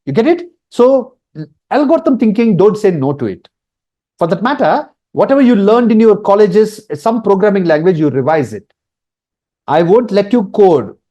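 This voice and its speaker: A native Telugu speaker from India with a Telugu accent teaches a webinar informally, emphatically repeating points and checking in often with "okay" and "right." His high voice is very animated and mellow at a moderate pace, with lo-fi sound.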